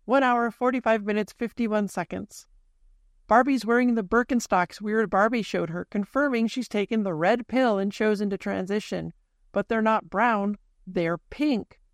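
A host analyzing a film in deliberate video essay narration, then chatting casually with a guest. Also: medium pitch, no echo, studio quality. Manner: deliberate, analytical, reads out timestamps.

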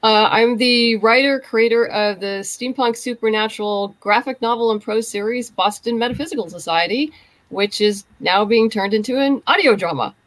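Higher-voiced woman, close dry sound. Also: normal speed, fairly bright tone, no echo, low-quality recording. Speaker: podcast guest, writer. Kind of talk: casual chat. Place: video call.

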